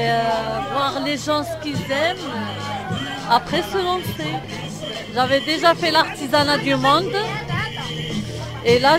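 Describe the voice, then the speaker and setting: A woman with a high voice speaks slowly and calmly, in simple phrases. She is recorded outdoors, with music and crowd chatter behind her. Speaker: pastry maker. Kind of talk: street interview. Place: outdoor street market.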